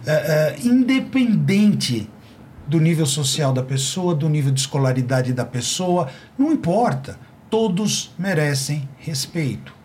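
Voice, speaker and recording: A man's voice: on the high side, measured pace, a little hiss or hum. A middle-aged man in a casual panel conversation, telling anecdotes and acting out the dialogue of the people in them. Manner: animated storyteller acting out quoted dialogue.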